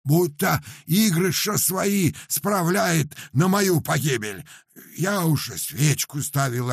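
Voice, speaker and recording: A loud, high, slow-wailing superstitious peasant with a gravelly, husky edge; dry audiobook sound. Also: male voice, no room sound, exaggerated voice. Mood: lamenting. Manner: loud wailing complaint, drawn-out words. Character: wailing superstitious peasant man, pious, self-pitying.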